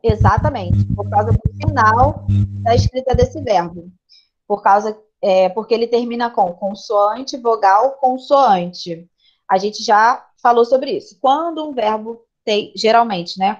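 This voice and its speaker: A woman teacher with a Brazilian Portuguese accent explains grammar to her class, stopping often to check that students follow. Her voice sits fairly high. The audio is slightly dull and lo-fi, as from a computer mic in an online class. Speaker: English teacher.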